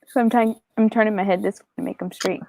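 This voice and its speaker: A woman in her thirties co-hosts a relaxed chat, her voice in the middle range. She teases her partner and laughs easily, keeping the talk light. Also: medium pitch, fast, gravelly, no room sound. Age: 30s. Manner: teasing, laughing, reads out viewer names. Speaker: co-host. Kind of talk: casual livestream chat.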